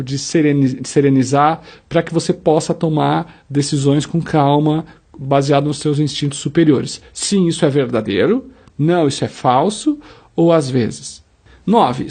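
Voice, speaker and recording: A man's voice: fairly high pitch, darkish tone, breathy edge. A man leads a self-help quiz, reading each statement and acting out sample answers in the first person. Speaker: motivational speaker.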